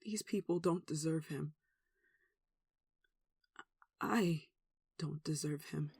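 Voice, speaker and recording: A performer playing a devout, tender human devoted to a demon in an ASMR roleplay, speaking softly and earnestly with emotion. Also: mid-range voice, slow, creaky, breathy edge, no echo, heavily acted. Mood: pleading, anguished. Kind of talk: ASMR roleplay, one-sided dramatic dialogue.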